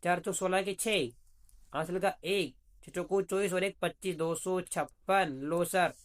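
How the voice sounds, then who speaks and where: A man with a high-sitting voice, steady tone and measured pace teaches reasoning in an exam-prep video lesson. He's chatty, addresses students as "bhaiya", and poses questions that he then answers himself.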